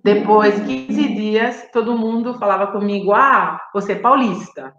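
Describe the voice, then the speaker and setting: A woman's voice: mid-range voice, unhurried, a bit bright, faint music behind. Reflective woman, echoey dull call audio. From Brazil, raised in Italy. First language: Italian. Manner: reflective, searching for words, with small restarts. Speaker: guest on a live stream. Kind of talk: personal storytelling on a video call.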